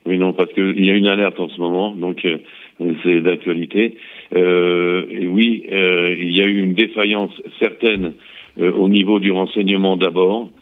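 Low-voiced guy calling in over a phone line, thin tinny sound, lots of ums as he explains. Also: little pitch movement. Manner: measured, many hesitant "euh" fillers. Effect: heard over a phone line. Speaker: former intelligence officer giving analysis. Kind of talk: radio interview analysis.

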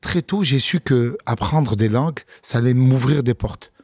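A man's voice: medium pitch, normal speed, breathy edge, dry recording, studio quality. A man, a comedian, talking casually in an interview, telling stories with fillers and restarts. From France. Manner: relaxed storytelling, many fillers and restarts. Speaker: comedian guest.

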